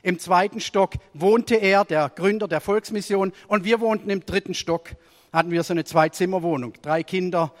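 A man preaching with a high voice that climbs for emphasis and drops low for quieter moments. The sound carries a long reverberant tail, as in a church hall. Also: moderate pace. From Germany. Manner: storytelling sermon with swings between raised emphasis and quiet asides. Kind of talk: sermon.

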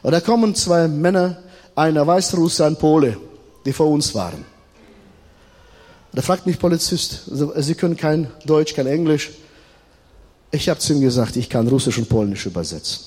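Husky middle-aged preacher in a reverberant hall. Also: male voice, fairly high pitch, expressive, normal speed, long pauses. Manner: swings between loud emphatic stretches and quiet confiding storytelling. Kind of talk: sermon. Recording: long reverb of a large hall.

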